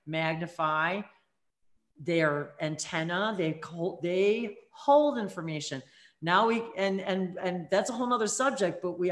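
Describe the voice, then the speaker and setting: A woman hosting a spiritual live-stream chat over a video call, speaking slowly and sometimes chanting strings of invented syllables. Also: fairly low pitch. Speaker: host.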